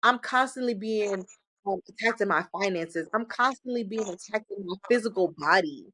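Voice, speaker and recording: A woman guest giving an animated, emphatic faith testimony, exhorting listeners and laughing often. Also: medium pitch, normal speed, no echo. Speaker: podcast guest. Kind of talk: casual testimony-style faith talk.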